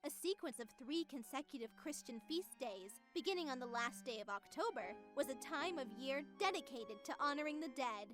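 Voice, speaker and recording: High-pitched, smug young AI girl. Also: animated, fairly quick, few pauses, over music. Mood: earnest, explanatory. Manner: playful, self-satisfied, conversational. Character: young female AI, cheerful, smug, obsessed with Halloween. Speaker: narrator of a horror visual novel. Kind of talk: scripted first-person game narration.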